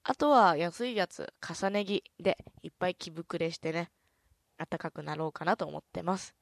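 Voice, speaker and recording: A woman hosting a casual radio talk show, soft-spoken and easygoing, with a stuffy nose. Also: on the low side, normal speed, creaky, no echo. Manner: soft, easygoing, chatty, with many "un" fillers. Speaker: radio host.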